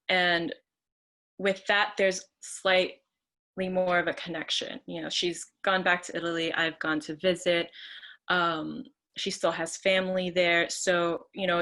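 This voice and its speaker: Young woman artist, bright voice, relaxed video-call presenter who pauses and fills often. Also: on the low side. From New York (Queens). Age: young adult. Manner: casual, many fillers and soft trailing asides. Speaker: artist presenting her work. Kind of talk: online artist talk. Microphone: computer mic on a video call.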